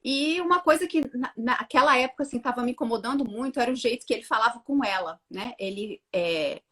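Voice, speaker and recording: A woman in her thirties, a mother telling her story on a casual live chat, acting out her own words with lively energy. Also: fairly high pitch, brisk. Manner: animated storytelling, acts out her own quotes. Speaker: guest, mother of two.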